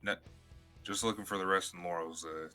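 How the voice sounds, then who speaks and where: A man's voice: low-pitched, fairly even intonation, brisk, bright, forceful tone, soft background music. A man playing a tabletop role-playing game, talking casually in character with folksy phrasing.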